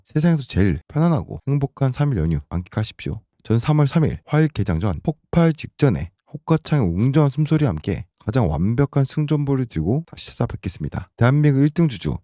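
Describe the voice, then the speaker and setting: Urgent, hoarse male stock-pitch host. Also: dark tone, dry recording, studio quality. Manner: urgent, emphatic, rallying. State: hoarse from a throat cold. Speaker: stock market channel host. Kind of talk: scripted stock hype pitch.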